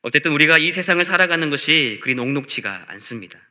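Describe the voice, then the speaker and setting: A man preaching a sermon as a pastor, in measured rhetorical phrases with repetition. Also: on the high side, expressive, pushed and bright. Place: church service.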